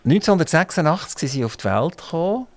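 A man's voice: on the high side, sing-song, quick pace, no echo. Male radio host, Swiss German accent, chatty, jokey interviewer. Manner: chatty, jokey, asks many follow-up questions. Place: radio studio.

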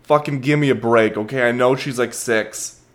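A man's voice: medium pitch, fairly even intonation, normal speed. A young adult man hosting a podcast, telling a rambling, self-deprecating story and swearing casually. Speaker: podcast host.

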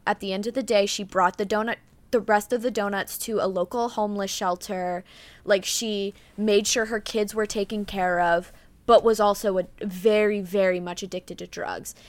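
A young woman talks through a true-crime case on her podcast in a loose, rambling way, leaning on "like" and "um" and reading from her notes. Her voice is mid-pitched and close to the mic. The sound is dry, with no room around it. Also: dry recording. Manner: chatty, full of "like" and "um", reads notes aloud. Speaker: podcast co-host. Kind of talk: casual true-crime chat.

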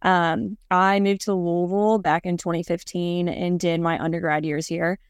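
A woman's voice: on the low side, little pitch movement, normal speed, clean tone, no room sound, studio quality. A woman from Northern Kentucky, a dental student, introducing herself in an easygoing way. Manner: easygoing, with fillers. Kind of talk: casual self-introduction.

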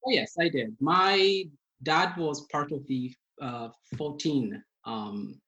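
A man from Tanzania, a guest on a podcast, speaking in a measured way with pauses and fillers. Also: a little high, pushed and bright, highs cut off. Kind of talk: casual interview.

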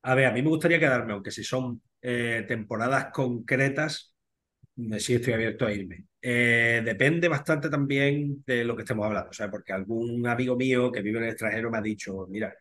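A man's voice: mid-range voice, moderate pace, fairly bright tone. A Spanish-accented man, a veterinarian, chats loosely as an interview guest. He rambles in an easy, familiar way, ending his phrases with "¿sabes?" and "tío". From Spain. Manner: chatty, peppers speech with "¿sabes?" and "tío". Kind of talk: casual interview chat.

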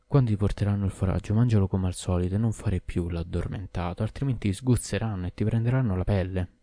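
A man's voice: deep voice, quick pace, dark tone, no echo. A man voicing a talkative, scheming male donkey in an audiobook, speaking urgently and persuasively. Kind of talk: audiobook character voice.

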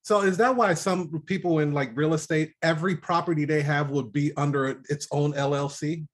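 A man hosting a casual online show, asking a guest questions and hyping up his listeners with quick, short replies. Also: fairly high pitch, fairly even intonation. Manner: upbeat, short acknowledgments, hypes the audience. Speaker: show host. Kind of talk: casual interview and live audience chat.

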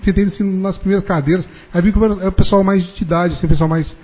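A man, telling a long anecdote fast and animatedly in casual podcast chat. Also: high-pitched, fairly even intonation, a little hiss or hum. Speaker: podcast guest. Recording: dull, reverberant room recording.

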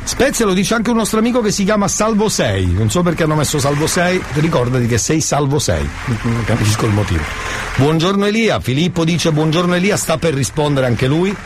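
Showy, animated male radio game show host. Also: on the high side, fairly quick, background noise. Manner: showy, playful, jokey, repeats himself. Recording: music bed behind voice. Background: music.

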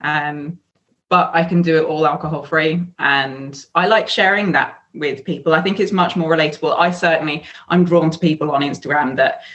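A woman's voice: deep voice, fairly even intonation, normal speed, a bit bright, highs cut off. Candid English woman in her thirties. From England. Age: 30s. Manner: candid, chatty, with frequent "um" fillers. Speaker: guest, sobriety coach. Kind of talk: casual podcast interview.

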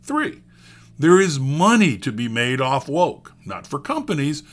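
A man's voice: a little high, sing-song, a little slow. A middle-aged man reading scripted opinion commentary, quoting sources aloud and adding wry asides. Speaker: commentary host.

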